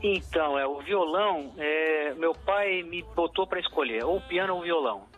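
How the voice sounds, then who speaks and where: A man from the south of Brazil with a marked regional accent speaks as a guest on a radio program. His voice is bright and somewhat high, and he thinks aloud through his answers with many hesitations and restarts. Faint music can be heard under the broadcast. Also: normal speed, dull audio. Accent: southern Brazilian Portuguese. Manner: reflective, many fillers and restarts.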